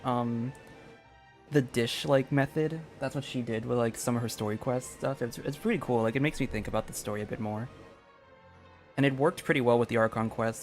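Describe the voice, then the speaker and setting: Chatty, sweary streamer, music behind. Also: medium pitch. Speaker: game streamer. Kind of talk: casual live gameplay commentary. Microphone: streaming microphone.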